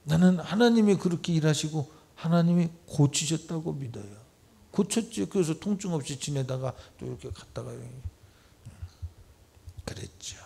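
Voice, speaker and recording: A man with a warm, gravelly voice preaches to his congregation at a church service. He talks to them plainly, rising to loud exhortation and then dropping to quiet asides. He acts out the voices of the people he quotes and keeps asking his listeners questions. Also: fairly high pitch, expressive, normal speed. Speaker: pastor. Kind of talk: midweek church sermon.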